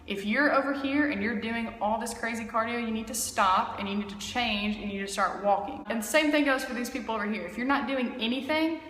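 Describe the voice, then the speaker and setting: A woman's voice: a little high, a little fast, hardly any pauses, a bit bright, slight background noise. A woman in her twenties, a health coach, giving a casual, emphatic talk to camera and often checking in with "okay?". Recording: echoey room with long reverb.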